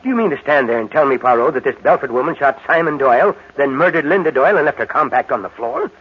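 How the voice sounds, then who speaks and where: An actor playing a gruff, no-nonsense ship's captain in an old-time radio drama, brisk and blustering. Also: male voice, mid-range voice, expressive. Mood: incredulous. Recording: muffled, noisy old radio recording.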